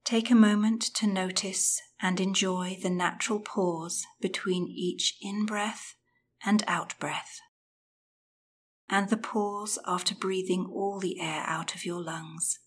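A woman guiding a breathing meditation in a soft, soothing voice that often drops to a whisper. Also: medium pitch, steady tone, slow pace, slight background noise. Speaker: meditation guide.

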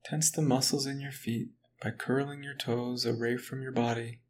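A man guiding a progressive muscle relaxation exercise, speaking slowly and calmly in an even, instructive way. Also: mid-range voice. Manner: slow, calm, even instruction. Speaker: relaxation guide. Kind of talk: guided relaxation script.

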